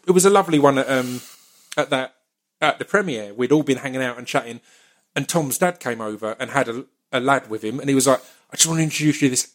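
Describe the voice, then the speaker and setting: A man with an Essex accent chatting casually as a podcast host, often repeating words as he gets his thoughts out. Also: medium pitch. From Essex, England. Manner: stammering repetition of words as he talks.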